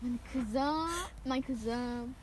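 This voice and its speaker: A woman's voice: on the high side, slow pace. A young woman in casual, playful chat with a friend during a game, talking in a giggly, chatty way. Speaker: co-host of a casual recording. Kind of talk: casual chat while playing a drawing game. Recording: home recording with clear background noise.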